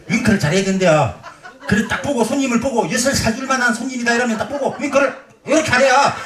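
숨찬 남자 품바 공연자, 관객 소음. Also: male voice, high-pitched. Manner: joking, teasing the crowd, self-mocking. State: out of breath. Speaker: pumba street performer. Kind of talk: live comic stage banter. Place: outdoor festival stage. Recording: roomy, distant, crowd noise. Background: crowd.

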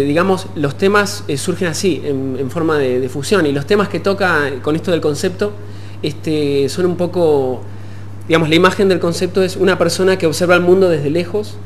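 A young Argentine man with a fairly high voice speaks as an interview guest. He explains things in halting phrases, with faint noise and hum behind him. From Puerto Madryn, Argentina. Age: young adult. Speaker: musician guest. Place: TV studio. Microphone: desk gooseneck microphone.

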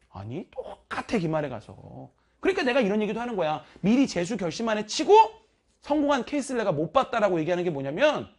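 Woman math teacher, blunt pep talk, husky voice, animated swings in pitch. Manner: blunt, emphatic, chatty, scolding banter. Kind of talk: casual motivational talk to students.

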